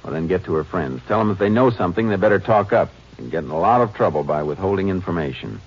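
An actor playing a steady, shrewd Texas Ranger in a 1950s radio western, speaking in measured, folksy phrases. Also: male voice, low-pitched, breathy edge, heavily acted. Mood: calm, pressing. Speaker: radio drama lead actor and narrator. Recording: muffled, noisy old radio recording.

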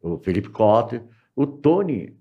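Excitable Brazilian man telling stories. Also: medium pitch, unhurried, lo-fi sound. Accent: Brazilian Portuguese. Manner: excitable storyteller, swears freely. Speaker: guest, former street vendor turned businessman. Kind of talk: casual chat.

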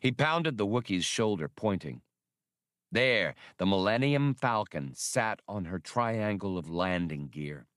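A man reading a science fiction adventure aloud as an audiobook narrator, in a measured, expressive storytelling delivery. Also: lowish voice, no room sound, studio quality.

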